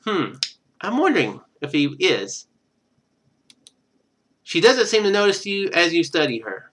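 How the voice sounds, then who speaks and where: Male streamer, higher-pitched and animated, reading a visual novel aloud with loose conversational asides. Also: a little slow. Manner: rambling, chatty asides between read passages. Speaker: game streamer.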